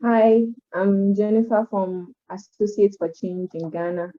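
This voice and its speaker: A woman's voice: medium pitch, fairly even intonation, measured pace, dark tone. A woman introducing herself as an education researcher, brief and matter-of-fact, on a video call. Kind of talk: self-introduction. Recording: dull lo-fi call audio.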